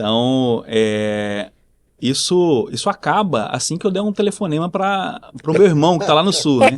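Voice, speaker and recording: His pitch swinging very widely, a man talks at a fairly slow speed. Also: fairly high pitch for a man. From southern Brazil, Rio Grande, Rio Grande do Sul. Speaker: vocational school director. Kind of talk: podcast interview.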